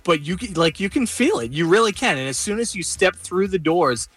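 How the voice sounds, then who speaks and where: A man reporting live for a radio show, telling his experiences casually and haltingly, with repeated starts. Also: sits high, expressive, a bit bright, breathy edge, faint music behind. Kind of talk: casual live on-air storytelling.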